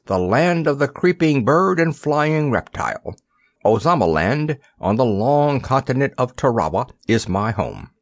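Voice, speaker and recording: A man's voice: mid-range voice, very animated, measured pace, dry recording, clean studio sound, pitched above the performer's own voice. A man voicing a proud little boy king who speaks with haughty, gloomy dignity in a storybook reading. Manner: haughty, solemn.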